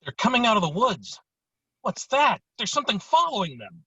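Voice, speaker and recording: A man plays an excitable ski race spectator in a script read. The voice is high and animated, with a husky edge. It comes through slightly dull online audio. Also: normal speed, full character voice. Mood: excited disbelief. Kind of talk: virtual screenplay table read.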